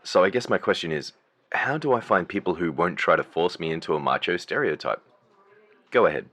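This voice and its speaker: A man's voice: sits low, animated, a bit bright. A man playing a polite, businesslike relay service officer who passes on a caller's words in a matter-of-fact way. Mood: reading out. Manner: matter-of-fact, courteous, halting while typing. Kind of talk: phone call on a radio drama.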